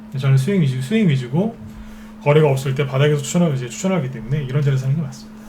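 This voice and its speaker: A man's voice: medium pitch, very fast, warm tone, slight background noise. A man giving a stock trading lecture as a market expert, who keeps asking rhetorical questions and answering them himself. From Seoul capital region.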